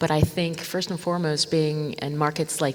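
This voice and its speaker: In an American accent, a woman speaks with a very deep, low pitch and monotone, flat intonation over noticeable background noise. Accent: sounds American. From Israel. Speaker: TV producer and consultant. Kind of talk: panel discussion.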